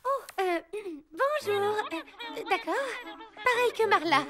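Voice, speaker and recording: A woman's voice: very high voice, expressive, slow, heavily acted. A woman voicing a timid, easily swayed young girl in a French cartoon dub, hesitant and stammering. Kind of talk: French animated series dub acting. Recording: loud background music under the voice.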